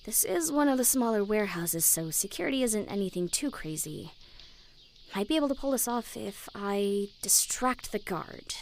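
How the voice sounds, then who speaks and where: A woman's voice: mid-range voice, big pitch swings, moderate pace, a little hiss or hum. An actress playing an intense, sweary, perfectionist young woman and protective older sister in a sci-fi audio drama. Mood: tense, focused muttering. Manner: muttering to herself, self-critical.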